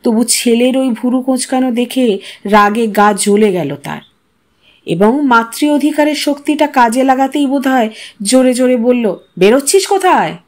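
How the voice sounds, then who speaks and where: A woman's voice: on the high side, normal speed. A woman reading a literary short story aloud as a scripted audio narration.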